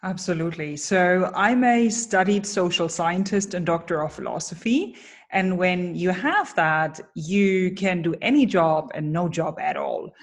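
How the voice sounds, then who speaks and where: In a fairly low, unhurried voice, a German woman who works as a personal branding coach answers interview questions as a guest. She's candid and emphatic, telling her stories with plenty of energy.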